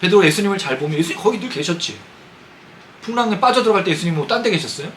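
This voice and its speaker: A pastor delivers a sermon in a lively, up-and-down voice, often turning to his listeners with questions. His voice sits a little high for a man, and a faint hiss runs under it. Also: very fast, low-quality recording. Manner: conversational preaching, asks the congregation questions. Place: church sanctuary.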